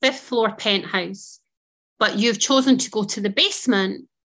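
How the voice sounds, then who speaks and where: Against a quiet background, a woman with a Scottish accent speaks at a moderate pace in a bright, sharp tone, fairly high in pitch with ordinary pitch variation. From Scotland, Ayrshire (near Troon). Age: 50s. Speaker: solo travel coach. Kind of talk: casual interview.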